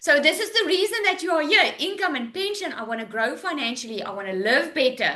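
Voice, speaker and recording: A woman's raised, projected voice, high-pitched with very wide pitch swings, bright, sharp tone and a fairly quick pace. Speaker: online business coach. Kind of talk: webinar presentation. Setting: video call. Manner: animated.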